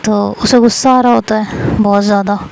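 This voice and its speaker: A woman's voice: medium pitch, steady tone, moderate pace, vocal fry, a little mellow, slight background noise, poor audio. A woman casually narrating a romance story in an easygoing, repetitive way. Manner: casual, repeated phrases.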